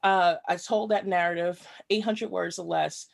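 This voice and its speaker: A woman's voice: lowish voice, fairly even intonation, moderate pace, gravelly. A woman guest in an interview, a writer and activist, speaking earnestly and reflectively with frequent fillers. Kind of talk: conversational interview storytelling.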